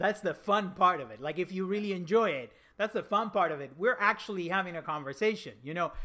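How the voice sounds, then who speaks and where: A man speaks with an Italian accent in a raised, projected voice, pitched high with lively intonation and a bright, sharp tone. His pace is fairly quick, his loudness swings widely, and the recording is very clean with a silent background. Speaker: podcast host. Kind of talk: interview chat. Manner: loud, excitable.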